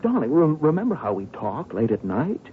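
Brief: smooth-talking, desperate gambler; swooping pleas, lo-fi broadcast. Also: male voice, on the high side, sing-song, moderate pace, slight background noise. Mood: coaxing. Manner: coaxing, stammering, pleading. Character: wheedling man, gambler, manipulative suitor. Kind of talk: 1940s radio acting. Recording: tinny old radio broadcast.

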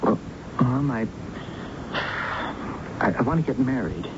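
An actor playing a nervous, stubborn college-age son with a hesitant, stammering delivery in a radio drama. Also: male voice, medium pitch, lively intonation, measured pace, close to an everyday voice. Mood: nervous, hedging. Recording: muffled, noisy old radio broadcast.

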